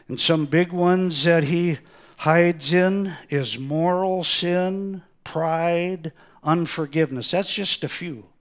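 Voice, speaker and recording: A man with a fairly high-pitched voice is heard in a very clean recording with a silent background. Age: 60s. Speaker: lay preacher filling in for pastor. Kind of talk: sermon. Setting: church.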